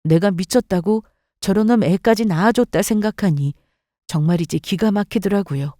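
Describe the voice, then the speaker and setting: A woman's voice: medium pitch, normal speed, dark tone, dry recording, studio quality. A woman narrating a first-person story with bitter, resentful telling, in scripted radio style.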